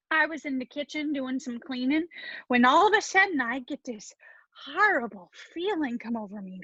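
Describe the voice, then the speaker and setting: A woman's voice: high-pitched, a bit bright, dry recording, highs cut off, full character voice. A woman playing a chatty, politely cheerful Midwestern mom with a Minnesotan accent in a comedy sketch reading.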